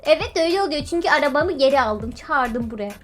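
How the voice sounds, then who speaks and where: A woman's voice: sits high, lively intonation, quick pace, very noisy. A woman giving playful, chatty commentary on her gameplay as a YouTuber, joking at other players. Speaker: gaming YouTuber.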